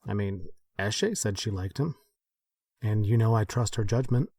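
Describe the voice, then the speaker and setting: An actor playing a modest, self-doubting leader, hesitant and thoughtful, in naturalistic audio drama dialogue. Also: male voice, fairly low pitch, unhurried, darkish tone, slightly rough, no echo, studio quality. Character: modest, self-doubting man leading a small group.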